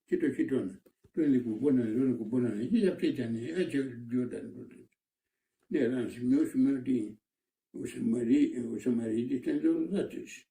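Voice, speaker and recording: An older man, a monastic elder, slowly retelling a parable with many repetitions in an interview, recorded in a roomy space from a distant mic. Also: mid-range voice, dark tone. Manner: slow, repetitive storytelling.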